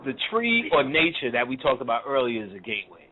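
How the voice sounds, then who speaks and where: A man's voice: mid-range voice, very animated, fast talker. A man giving a casual spiritual talk to a caller, blunt and profane, in street slang, laughing often. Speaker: spiritual teacher. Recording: tinny phone-like audio.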